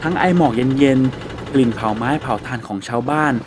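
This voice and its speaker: A young man calmly narrating a scripted travel vlog as the host. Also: medium pitch, moderate pace, background noise. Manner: calm, descriptive storytelling.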